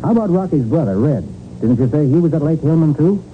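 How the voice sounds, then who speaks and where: An actor playing a shrewd, self-assured American private detective, brisk and articulate, in 1940s radio crime drama style. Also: male voice, fairly high pitch, animated, natural voice. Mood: probing, calm. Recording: narrow-band 1940s radio with faint noise.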